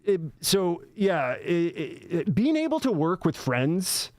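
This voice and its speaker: A man co-hosting a gaming livestream, earnest in tone and prone to restarting and repeating himself. His voice is on the higher side for a man. The recording is dry and close. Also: huge pitch swings, slow, a little mellow, no room sound. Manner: earnest, repeats words and fills with uh. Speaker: co-host of a gaming channel. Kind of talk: casual livestream chat.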